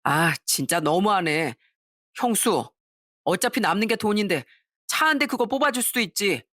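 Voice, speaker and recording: A woman's voice: lowish voice, animated, moderate pace, dry recording, studio quality. A woman voicing a jobless man in his forties who grumbles and wheedles for money. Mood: wheedling.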